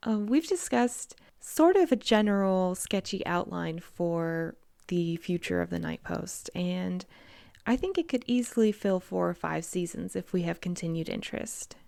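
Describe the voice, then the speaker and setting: A woman with a gravelly creak in her voice co-hosts a podcast. She speaks conversationally, and the sound is close and dry. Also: fairly low pitch, a little slow, dark tone, no echo. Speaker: podcast co-host.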